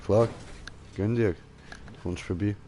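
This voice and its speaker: A man with a Swiss German accent chats casually as he streams a racing game. His voice is on the low side and he talks very slowly, in a giggly, jokey, slangy way, with some vehicle noise behind him. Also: fairly even intonation, mellow. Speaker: gaming streamer reading and answering chat. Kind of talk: casual gaming chat.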